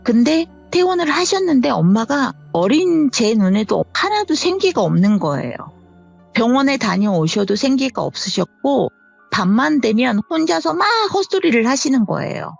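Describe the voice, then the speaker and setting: A woman's voice: on the high side, very animated, moderate pace, creaky, dry recording, lo-fi sound, faint music behind. A woman in her fifties telling her own horror story in a chatty, conversational way, acting out the voices of the people in it.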